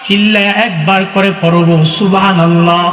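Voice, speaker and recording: A man preaching a sermon, tired and unwell but loud and fast, with a sing-song delivery and calls to the crowd. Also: sits high, background noise. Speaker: preacher at a religious gathering. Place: outdoor religious gathering. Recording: echoey PA sound with long reverb.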